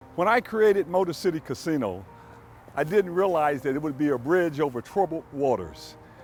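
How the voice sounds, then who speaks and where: Over music in the background, a man with an American accent talks fairly quickly at a fairly high pitch, his pitch swinging very widely. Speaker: real estate developer. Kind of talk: infomercial pitch to camera.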